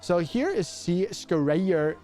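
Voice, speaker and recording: Brief: young man, playful streamer-radio host, teasing and quick to laugh, voice a touch high, faint music behind. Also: animated, warm tone. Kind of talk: casual chat while opening cards.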